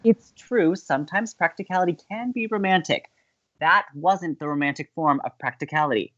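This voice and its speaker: A woman acting as a sweet, earnest, sentimental college radio co-host in an audio drama, with expressive delivery. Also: fairly low pitch, normal speed, muffled recording, lightly acted. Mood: mock indignant. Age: young adult. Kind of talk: naturalistic audio drama banter.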